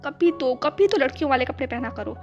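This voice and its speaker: A woman voicing a gentle, practical young woman who protests earnestly, in a storybook reading. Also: sits high, expressive, fairly quick. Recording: dull lo-fi with background music.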